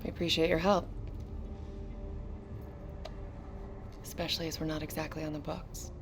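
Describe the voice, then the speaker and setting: A woman's voice: low-pitched, quick pace, background noise, close to an everyday voice. An actress playing a composed female intelligence officer who briefs and leads her team in a game cutscene. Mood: polite. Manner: calm and businesslike. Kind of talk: video game cutscene acting.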